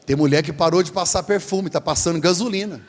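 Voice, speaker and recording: A man in his forties preaching a storytelling sermon as pastor, animated and acting out the voices in his story. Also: on the high side, quick pace, a little hiss or hum. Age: 40s. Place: large church hall. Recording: long hall reverb.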